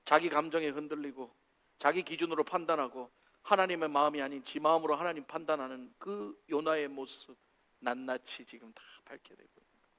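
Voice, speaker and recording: A man preaching a sermon in a church, acting out voices with big swings in pitch and loudness. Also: brisk. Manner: animated, acts out dialogue with big pitch swings. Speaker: pastor. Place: church sanctuary. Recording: long hall reverb.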